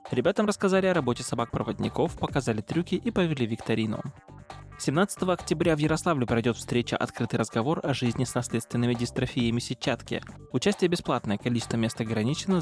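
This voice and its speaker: Fast male news presenter, faint music bed. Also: medium pitch. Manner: brisk, even newsreader delivery. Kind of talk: scripted news reading.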